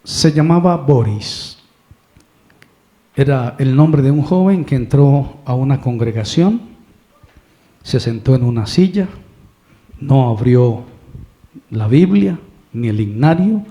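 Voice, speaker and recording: A male preacher with a Colombian Spanish accent, telling a story slowly and deliberately, acting out the dialogue. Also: medium pitch, lively intonation, warm tone. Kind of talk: sermon storytelling.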